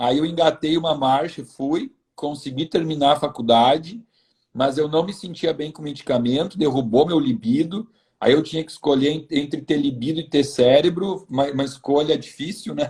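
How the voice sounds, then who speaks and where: A somewhat breathy man with a fairly high pitch talks at a moderate pace with ordinary pitch variation. His loudness swings widely. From southern Brazil, Rio Grande do Sul (Caxias do Sul). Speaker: doctor. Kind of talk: casual interview chat.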